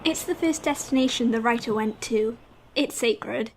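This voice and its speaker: A woman's voice: on the high side, normal speed, a little hiss or hum, lightly acted. A woman playing an eager, starry-eyed traveler in an adventure audio drama.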